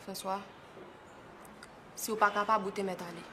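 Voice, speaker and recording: A woman's voice: mid-range voice, fairly even intonation, moderate pace, sharp tone, slight background noise, lightly acted. An actress playing a hurt, pleading young woman in a film. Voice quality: pleading, reproachful.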